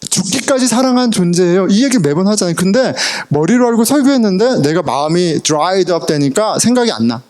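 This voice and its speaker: In a church sanctuary, a middle-aged pastor preaches a sermon, animatedly telling personal stories, laughing often, and mixing in English words. His voice is high-pitched and brisk, with hardly any pauses.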